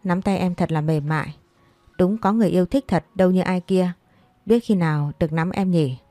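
A woman's voice: on the low side, mellow, no room sound, soft background music, lightly acted. A woman reading a cheeky young man teasing his uncle. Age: 20s. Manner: quick, needling banter.

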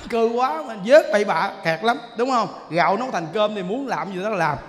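A male Buddhist monk with a Southern Vietnamese accent delivers a joking Dharma talk in a notably high voice. He tells stories with animated exclamations and frequent laughs. The recording has a long hall reverb and a faint background hiss. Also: moderate pace.

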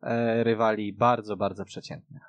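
A man's voice: lowish voice, level tone, moderate pace, no echo. A man chatting casually about football as a panelist on a radio podcast. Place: dry radio studio.

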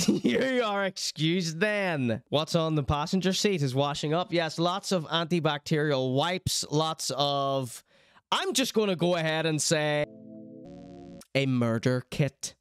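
A man's voice: a little high, expressive, takes it slowly, clear, resonant tone, no echo, studio quality. A middle-aged man giving mocking, amused video commentary in a sarcastic manner. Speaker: reaction video host. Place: small indoor streaming room. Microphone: studio microphone close to mouth.

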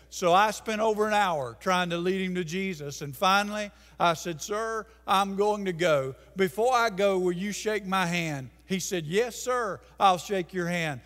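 An older man preaches in a church sanctuary, his voice pitched high for a man. He presses his points hard and slows down on the phrases he wants to land. The sound rings out with a long reverb from the room. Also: fairly bright tone. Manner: emphatic preaching, slowing for key phrases, gesturing at pulpit. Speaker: pastor. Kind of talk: sermon. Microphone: pulpit mic.

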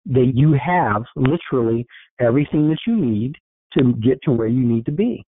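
A man's voice: medium pitch, animated, moderate pace, a little hiss or hum. A man giving a casual motivational talk on a group call, rambling and informal, with many fillers and restarts. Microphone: conference call line. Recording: thin, phone-like call audio.

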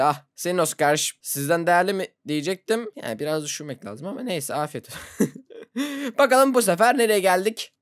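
A gaming YouTuber giving casual let's-play commentary, excitable, laughing often and yelping when startled. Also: mid-range voice, no echo, studio quality.

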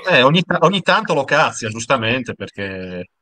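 A man's voice: medium pitch, sing-song, normal speed, pushed and bright. A man giving casual live commentary as a panelist on an anime watch-along. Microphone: video call.

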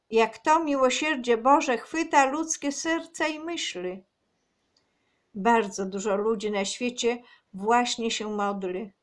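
Slow-reading woman with a high voice. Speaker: channel host reading a book aloud. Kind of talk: reading a religious book aloud.

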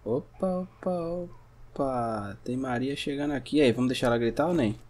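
A man from Brazil giving casual gameplay commentary, chatting to himself and his viewers, sometimes breaking into sudden shouts. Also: medium pitch, moderate pace, a little hiss or hum. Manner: chatty, talks to himself and the audience, bursts into shouts at scares. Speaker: gameplay streamer.

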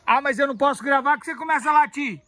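Speaking very fast in a very high, bright, forceful voice, a Brazilian Portuguese-accented channel host who grows carnivorous plants jokes around and deliberately mispronounces words. He films by a garden pool outdoors using only his phone's built-in microphone, and a little hiss or hum can be heard.

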